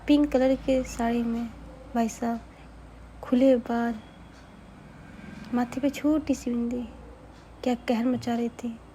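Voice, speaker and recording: A woman telling a love story in a casual, chatty way, with asides to the listener and quick self-corrections. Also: a little high, steady tone, dark tone, a little hiss or hum.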